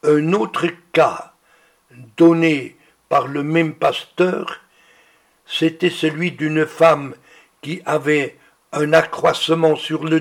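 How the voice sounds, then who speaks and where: A man preaching a sermon, reading out healing testimonies in a slow, deliberate way. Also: fairly high pitch.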